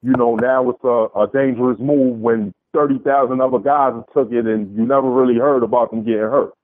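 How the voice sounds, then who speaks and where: Male caller, Brooklyn accent, casual fan talk, mid pitch, tinny phone connection. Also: steady tone, brisk. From Brooklyn, New York. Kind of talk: casual sports fan chat. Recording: narrow tinny phone line.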